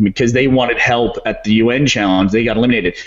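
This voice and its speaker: Talking at a very fast pace, a man speaks with an American accent. Noticeable background noise runs beneath him. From Texas. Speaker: reality show contestant. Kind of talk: casual chat.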